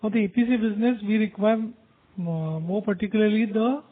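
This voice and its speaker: High-voiced Indian man on a phone line. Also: brisk. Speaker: company executive answering investor questions. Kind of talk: earnings call answers. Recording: narrow tinny conference phone line.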